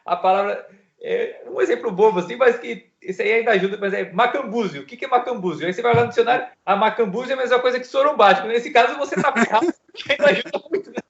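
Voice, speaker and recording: A man explaining ideas in casual conversation, lively and full of everyday examples. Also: very high voice, quick pace, vocal fry. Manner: lively, gives everyday examples, laughs lightly. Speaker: co-host in a discussion. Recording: echoey lo-fi recording.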